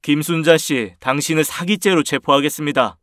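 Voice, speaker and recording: A man's voice: a little high, brisk, a bit bright, no echo, clean studio sound, close to an everyday voice. An actor playing a male police officer, formal at the door and chatty about a hard case. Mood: firm. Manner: official, then chatty complaining.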